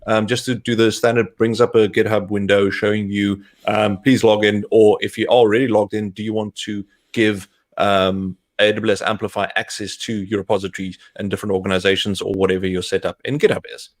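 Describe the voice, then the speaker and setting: South African-accented young man, lowish pitch, relaxed live-demo narrator. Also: fairly quick, hardly any pauses. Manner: talks through steps as he clicks, relaxed. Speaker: co-host, developer advocate.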